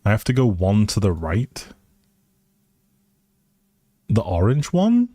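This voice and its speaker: A man with a dark, relaxed voice talks at a slow, easy pace, as if streaming a game. He thinks out loud and replies to viewers in casual chat, recorded close and dry. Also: fairly low pitch, husky, no room sound. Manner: thinking aloud, musing, responding to viewers. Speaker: live streamer.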